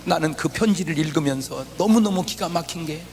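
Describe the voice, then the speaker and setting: A man preaching a sermon as pastor, firing rhetorical questions at the congregation and swinging between loud exclamations and low asides. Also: a little fast, a little hiss or hum.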